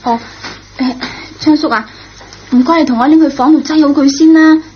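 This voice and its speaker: An earnest young schoolgirl, acted by a woman, speaks in a very high, pleading voice. It is radio drama acting, on a dull lo-fi recording. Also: moderate pace, a little hiss or hum, natural voice. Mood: eager, persuasive.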